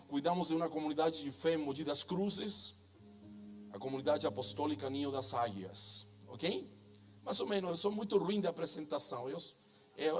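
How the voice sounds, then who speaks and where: Chilean man preaching, higher voice. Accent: Chilean Spanish. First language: Spanish. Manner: chatty, self-joking, tags lines with "não é?" and "amém?". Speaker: guest preacher. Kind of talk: sermon at a church conference. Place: church stage before a congregation.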